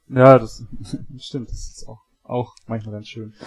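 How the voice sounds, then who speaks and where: Somewhat breathy, a man talks at a moderate pace and medium pitch in a monotone, flat intonation. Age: 20s. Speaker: podcast co-host, university student. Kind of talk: casual chat. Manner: hesitant with many fillers.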